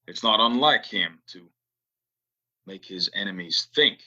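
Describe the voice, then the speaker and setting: Man playing a deep, forceful gunfighter. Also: lively intonation, measured pace, muffled recording, full character voice. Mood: grave warning. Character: grave, strategic male gunfighter stranger. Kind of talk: audio play Western acting.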